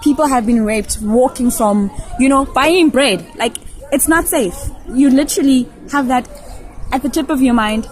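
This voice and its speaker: A woman's voice: sits high, moderate pace, rough recording. Young woman student chiming in. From Johannesburg, South Africa. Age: young adult. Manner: chimes in, finishes others' sentences. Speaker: university student. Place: outdoors on a campus.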